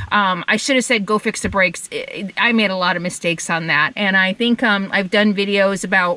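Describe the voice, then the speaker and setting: With a dry sound and no echo, a woman speaks at a fairly quick pace, using fairly even intonation and very even loudness. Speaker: RV lifestyle vlogger. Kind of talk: casual vlog chat. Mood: candid, self-mocking. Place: car. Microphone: phone near.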